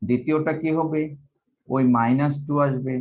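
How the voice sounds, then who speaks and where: A man from Bangladesh lecturing on math, talking slowly and methodically and dictating each formula step by step. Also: on the high side, steady tone, highs cut off.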